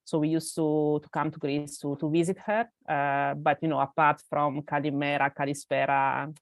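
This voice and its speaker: A woman's voice: deep voice, level tone, normal speed, no echo. A woman from Italy, a native Italian speaker with an Italian accent, chatting as an interview guest, hesitant with many fillers and restarts. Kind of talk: casual interview chat.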